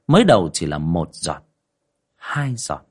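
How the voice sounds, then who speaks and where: A man narrating a ghost story in a dramatic, expressive way. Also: sits low, a little slow. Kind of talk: scripted horror story narration.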